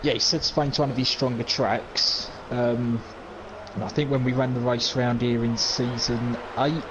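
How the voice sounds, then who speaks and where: Male co-commentator, measured delivery, mid pitch, noisy home recording. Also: level tone, lo-fi sound. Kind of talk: casual race-preview commentary. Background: dog at home.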